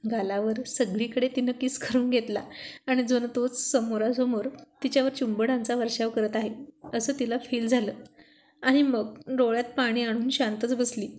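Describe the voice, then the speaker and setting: A woman narrates a romance story with a slightly high voice. Her reading is intimate and unhurried, in a plain storytelling style. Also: a little mellow.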